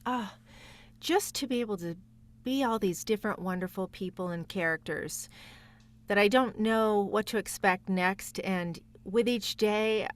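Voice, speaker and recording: Woman, mid-pitched voice, enthusiastic, reflective, casual interview guest. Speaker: guest voice actor.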